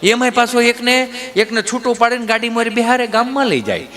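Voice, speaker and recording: A man's voice: extremely high pitch, a little fast. A man doing live stand-up comedy, animatedly telling stories and acting out family scenes. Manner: animated storyteller who acts out family scenes. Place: stage before a live audience. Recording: live show with loud audience laughter. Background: audience laughter.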